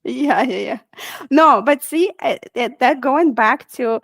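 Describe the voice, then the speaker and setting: A woman's voice: high-pitched, slow, fairly bright tone, dry recording. A woman presenting a technical webinar in a casual, friendly way, with frequent fillers.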